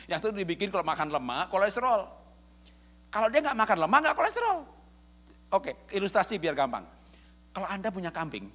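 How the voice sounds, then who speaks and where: A middle-aged male pastor from Indonesia giving a lively, humorous church sermon, often chuckling as he speaks to the congregation. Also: sits high. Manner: jokey, addresses congregation as "saudara", chuckles often. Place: church service.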